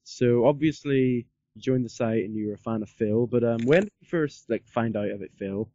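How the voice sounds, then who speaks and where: A man's voice: mid-range voice, normal speed, dark tone, muffled recording. A man doing a casual podcast interview in a rambling, repetitive way, peppered with filler words. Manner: rambling, repeats himself, peppers talk with "like".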